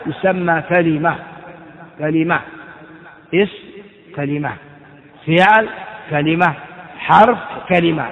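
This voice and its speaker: A man with a rather high voice teaches grammar in a classroom lecture, explaining step by step and firing short questions at his students. His voice rings with a long reverb, as if recorded in a large hall. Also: fairly bright tone.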